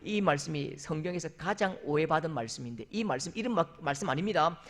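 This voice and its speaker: A man from South Korea preaching a sermon in a church, animated and playful, often acting out the voices of people he describes. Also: fast. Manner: animated, acts out quoted voices with big pitch jumps. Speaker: pastor. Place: church sanctuary.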